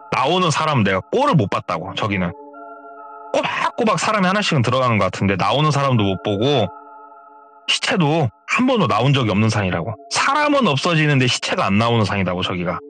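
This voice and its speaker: A man voicing a stern old village man who gruffly and insistently warns others away. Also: medium pitch, big pitch swings, fairly quick, fairly bright tone, faint music behind. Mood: grave warning.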